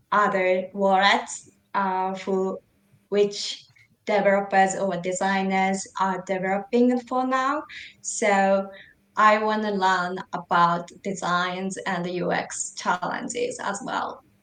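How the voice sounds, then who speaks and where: Her Japanese accent comes through as a woman speaks at a medium pitch. She goes at a very slow pace with fairly even intonation. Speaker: lightning wallet builder. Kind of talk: group video call discussion. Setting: video call. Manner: halting, many fillers.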